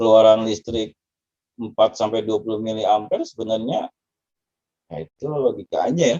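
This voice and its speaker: A man with a slight Jakarta accent speaks at a moderate pace and medium pitch, with ordinary pitch variation. His loudness swings widely, and he takes long, frequent pauses. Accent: slight Betawi (Jakarta). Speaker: university lecturer. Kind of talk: online lecture. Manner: relaxed, casual.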